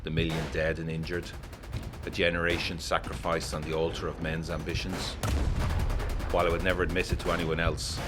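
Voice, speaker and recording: An actor playing a haunted, introspective 1920s gentleman and former army captain, reading a letter in a formal, measured, grave way in a gothic audio drama. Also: low voice, monotone, loud music behind the voice, close to an everyday voice. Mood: sombre, weary.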